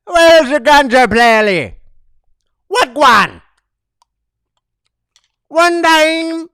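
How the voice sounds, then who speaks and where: A man putting on a goofy voice of a male Jamaican leprechaun in a deliberately bad, mock Jamaican accent. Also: animated, sharp tone, no room sound, studio quality, full character voice. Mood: teasing. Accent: put-on Jamaican patois. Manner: high, yelping, cartoonish.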